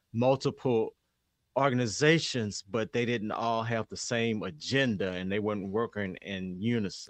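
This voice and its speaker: A man with a medium pitch and ordinary pitch variation speaks fairly slowly in a normal speaking voice, the sound dry and close with no echo. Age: 60s. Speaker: podcast co-host. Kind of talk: casual chat. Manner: relaxed.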